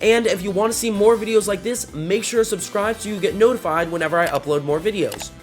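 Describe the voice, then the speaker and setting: A man hosting a gaming video, talking through a scripted list in an enthusiastic, chatty way, his voice slightly hoarse from a cold. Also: high voice, quick pace, over music.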